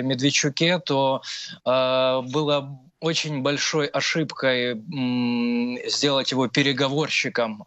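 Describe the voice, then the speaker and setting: A man in his thirties with a Ukrainian accent, speaking as an analyst guest on a live news broadcast over a video call, measured and full of hesitation sounds. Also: mid-range voice, fairly bright tone, no room sound, muffled recording. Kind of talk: live TV interview commentary. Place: small room at home.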